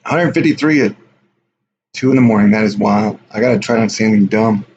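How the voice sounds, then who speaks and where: A man's voice: on the low side, quick pace, darkish tone. A man hosting a casual live stream, rambling offhand and reading viewer chat aloud. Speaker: livestream host. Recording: dull lo-fi stream audio with faint hiss.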